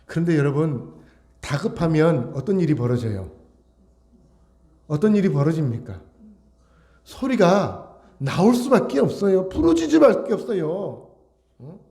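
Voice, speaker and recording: A man's voice: fairly high pitch, big pitch swings, measured pace, long pauses, dark tone. A male pastor preaching a sermon, emphatic and full of rhetorical questions to his congregation.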